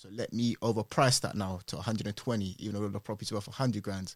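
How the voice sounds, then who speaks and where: In a London accent, a man with a fairly low pitch speaks with fairly even intonation, recorded dry and close with no echo. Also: very clean recording, silent background. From northwest London. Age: 20s. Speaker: property investor. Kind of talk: casual interview chat.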